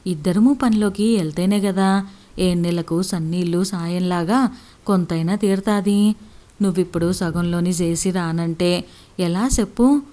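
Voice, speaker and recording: A woman voicing an anxious laborer husband who slowly pleads and coaxes his wife. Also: lowish voice, mellow, lightly acted. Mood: pleading. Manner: pleading, coaxing, slow.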